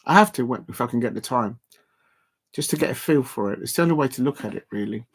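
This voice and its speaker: A man's voice: medium pitch, expressive, quick pace, husky. A man, rambling through a late-night football watch-along, thanking his chat with lots of ums and restarts. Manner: rambling, filler-heavy, reading out chat shout-outs. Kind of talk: casual late-night live stream wrap-up. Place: at home at night with a TV on.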